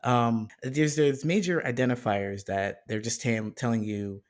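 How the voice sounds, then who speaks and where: A man's voice: mid-range voice, fairly even intonation, unhurried. A man hosting a podcast interview, thoughtful and searching for his words, with a joking streak. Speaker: podcast host. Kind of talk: casual interview conversation.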